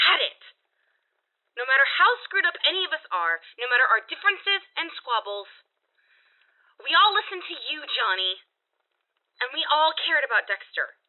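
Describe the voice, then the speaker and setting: A woman playing a feisty, scolding old woman in a radio drama, heard through a radio filter. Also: high-pitched. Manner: scolding, emphatic. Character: feisty old woman, bossy, exasperated, stew maker. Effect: radio transmission filter. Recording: tinny narrow-band radio sound.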